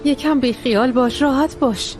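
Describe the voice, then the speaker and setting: A woman's voice: sits high, natural voice. An actress dubbing an affectionate woman who coaxes and reassures a worried friend. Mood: reassuring. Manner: soothing, coaxing. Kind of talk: Persian drama dubbing. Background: clear music score.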